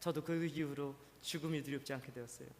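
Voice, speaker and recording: A man preaching a sermon as pastor, telling a painful personal story with many repeated phrases and then rising into loud, fervent exhortation. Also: mid-range voice, steady tone, fast talker. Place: church sanctuary. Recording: long hall reverb, faint background noise.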